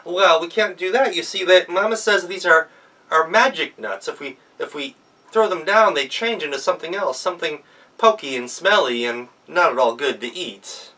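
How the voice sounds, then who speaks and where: Man putting on a high, clever young girl. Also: moderate pace, pushed and bright, recorded from a distance. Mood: feigned innocence. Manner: hesitant, feigned innocence. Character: clever young girl, polite schemer outwitting a wolf. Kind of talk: storybook character voice.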